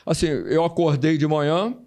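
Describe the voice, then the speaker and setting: An older Brazilian former footballer, a guest in an interview, telling stories casually, repeating phrases and acting out quoted voices. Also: male voice, a little high, normal speed, a little mellow.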